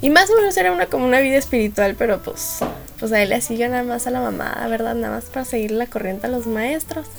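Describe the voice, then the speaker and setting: This is a young woman with a Mexican accent hosting a casual podcast. Her slightly high voice carries a gravelly fry, and she tells stories in a loose, slangy way, acting out the lines of the people in them. Faint music plays underneath. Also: fast talker. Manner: chatty and slangy, acts out quotes, laughs at her own jokes. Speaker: podcast host. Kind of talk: casual storytelling monologue.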